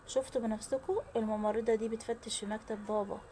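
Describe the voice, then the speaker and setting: A woman's voice: fairly high pitch, steady tone, quick pace, dark tone, slight background noise, natural voice. A woman voicing an angry, mocking grown son with an Egyptian accent, harsh and accusing. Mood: angry, threatening.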